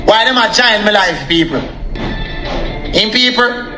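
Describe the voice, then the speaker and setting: A man's voice: high-pitched, lively intonation, a little slow, reverberant, music in the background. A young man with a Jamaican accent ranting angrily on a live stream, repeatedly calling out to his viewers. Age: young adult. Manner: repetitive, addresses viewers as people. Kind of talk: angry live-stream rant.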